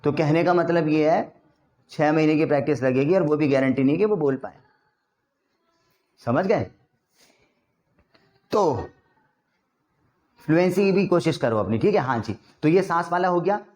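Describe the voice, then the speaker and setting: Young man, Hindi accent, classroom English teacher, conversational and a touch high-pitched. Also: expressive, moderate pace, long pauses, darkish tone. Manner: chatty, addresses class with rhetorical checks. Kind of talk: classroom spoken-English lesson.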